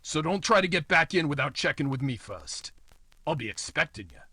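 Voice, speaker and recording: Guy doing slimy nosy landlord in a noir radio play, raspy, fake chummy, voice swings all over, tough slang. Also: a little high, lively intonation, fairly quick, pushed and bright, no room sound, heavily acted. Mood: menacing. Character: nosy, slimy, scheming male apartment house manager. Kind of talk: old-time radio noir acting.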